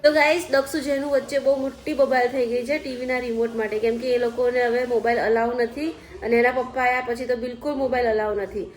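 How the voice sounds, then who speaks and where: A woman's voice: fairly high pitch, steady tone, a little fast. A woman, chatting casually to her phone camera at home as a family vlogger. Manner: chatty, laughs often. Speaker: vlogger, mother.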